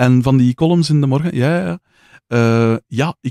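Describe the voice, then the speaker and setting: A man speaks at a moderate pace in a dark, mellow tone. The sound is dry with no echo, and the background is quiet. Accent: Flemish. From Flanders, Belgium. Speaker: journalist and writer; journalist. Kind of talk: casual interview chat. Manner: halting. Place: studio. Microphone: studio mic.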